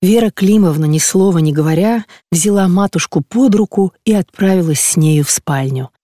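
An audiobook narrator reading classic prose in a measured, even storytelling manner. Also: mid-range voice, no room sound, studio quality. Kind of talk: scripted literary narration.

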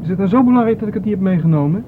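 Sullen, higher-voiced student son. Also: male voice, lively intonation, rapid-fire. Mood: irritated, defensive. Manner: terse, evasive answers. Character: sullen, guarded student son, curt and defensive. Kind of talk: Dutch radio play acting. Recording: muffled old radio play recording, faint noise.

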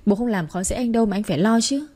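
A woman's voice: mid-range voice, expressive, fast talker, warm tone, close to an everyday voice. A woman voicing a pampered young mistress who coaxes and clings to her lover. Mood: coaxing. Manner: coaxing and clingy.

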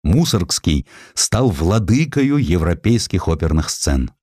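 A man with a deep voice narrates a literary piece of history. His delivery swings widely in pitch and is theatrical, shaped by dramatic pauses. The sound is dry and close, as from a studio microphone. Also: very animated, darkish tone, dry recording. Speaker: audiobook narrator.

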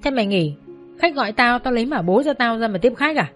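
A woman's voice: fairly high pitch, lively intonation, fairly quick, a bit bright, faint music behind, voice pushed up. A woman voicing a harsh, bullying male karaoke bar manager. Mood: gruff.

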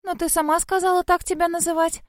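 A bright, high-pitched young rabbit girl, as a woman reading a storybook puts her on, earnest and fussing over a friend. Her worried voice sits well above the narrator's, and the sound is close and dry. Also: little pitch movement, fast, no echo. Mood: concerned.

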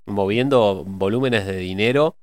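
A man in a reflective cultural discussion, pausing often with hesitations as he thinks aloud. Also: on the low side, dry recording, studio quality. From Argentina.

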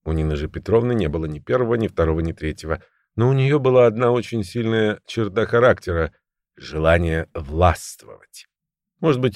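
A man's voice: low-pitched, a little mellow, no room sound, clean studio sound. A man narrating a first-person audiobook story in a wry, ironic storytelling manner.

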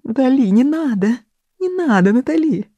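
An audiobook reader voicing a gallant, courtly balding man who speaks in a high voice. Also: lively intonation, moderate pace, dry recording, close to an everyday voice. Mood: gallant, pleading. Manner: courtly, pleading.

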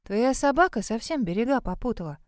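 A woman's voice: a little high, very animated, brisk, darkish tone, no room sound. A woman voicing the heroine's blunt friend, who grumbles in a dry, scornful way. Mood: grumbling.

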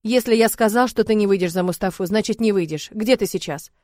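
Woman reading a calm determined young lover. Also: mid-range voice, a little fast, no room sound, natural voice. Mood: reassuring. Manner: calm, firm, reassuring.

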